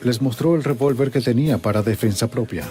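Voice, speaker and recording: A man narrating a true-crime documentary in a measured, even storytelling manner. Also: medium pitch, faint music behind.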